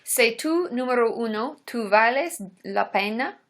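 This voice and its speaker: A woman's voice: a little high, animated, unhurried. A woman therapist hosting a live Q&A stream, chatting casually, laughing often and poking fun at herself.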